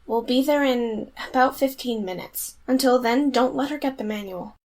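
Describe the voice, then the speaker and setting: Actress doing flippant young woman, highish voice, stubborn, casual audio drama delivery. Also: moderate pace, close to an everyday voice. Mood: urgent.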